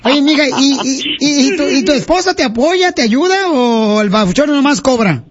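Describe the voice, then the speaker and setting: Very high-voiced teasing radio host man. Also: animated, moderate pace, very noisy. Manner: playful, teasing, calls caller "mi amor". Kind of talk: joking radio call-in chat. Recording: muffled radio broadcast.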